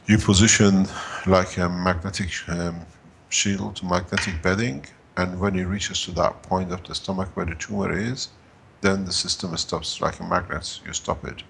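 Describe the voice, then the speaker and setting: A man's voice: low voice, creaky, fairly bright tone, slight background noise. A man presenting at a workshop, explaining to a live audience while groping for words and restarting his sentences. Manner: halting, gropes for words and restarts.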